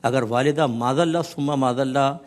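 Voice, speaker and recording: Measured male religious scholar. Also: mid-range voice, fairly even intonation. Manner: measured, lists points in rhythmic series; mixes in English words. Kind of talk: religious explanation on a TV talk show.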